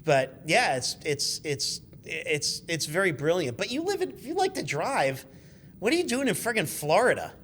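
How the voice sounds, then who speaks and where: A man in his fifties chatting casually as a guest, telling animated, rambling, sweary anecdotes as a car journalist. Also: high voice, moderate pace, a little hiss or hum. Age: 50s.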